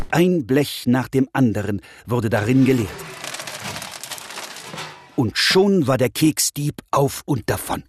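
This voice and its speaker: A man reading a children's bedtime story in a gentle, expressive way. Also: mid-range voice, a little hiss or hum. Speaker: narrator. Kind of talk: scripted storybook narration.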